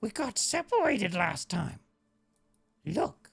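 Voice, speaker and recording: Fairly slow delivery in a fairly high-pitched, put-on character voice. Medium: actual play. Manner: childish, naive.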